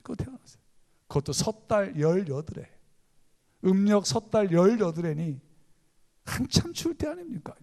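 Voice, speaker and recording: Male pastor, sermon storyteller, swooping expressive delivery, gravelly edge, playful and animated. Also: sits high, moderate pace, long pauses. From Gangwon Province, South Korea.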